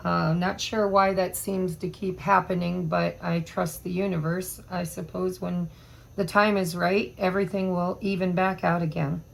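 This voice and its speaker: A woman doing a casual tarot reading to camera, hoarse from allergies, chatty and meandering as she thinks aloud. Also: fairly low pitch, level tone, moderate pace, poor audio. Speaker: tarot reader.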